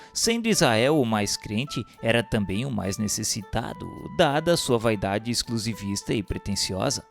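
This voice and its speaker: Brazilian guy doing solemn formal religious narration, kinda gravelly, music in the background. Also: medium pitch.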